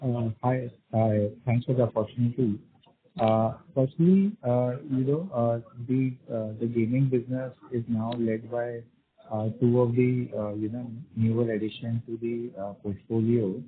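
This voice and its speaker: Halting Indian man on a tinny phone line. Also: mid-range voice, fairly even intonation. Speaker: analyst asking questions on an earnings call. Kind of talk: spontaneous business questioning. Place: conference call.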